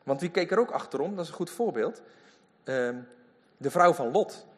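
A man preaching a lively sermon in a church, full of emphatic asides. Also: fairly high pitch, normal speed. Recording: long hall reverb.

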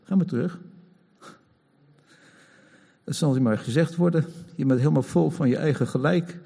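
Man, sermon, gravelly husky voice, long hall reverb. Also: a little high, fast, mellow. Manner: conversational, chuckling, acts out quoted complaints. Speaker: preacher.

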